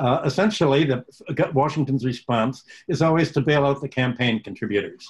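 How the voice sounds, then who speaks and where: With an American accent, a man talks fairly quickly in a fairly high, somewhat breathy voice with ordinary pitch variation. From US Midwest (Minneapolis, Chicago). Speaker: economist. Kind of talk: interview.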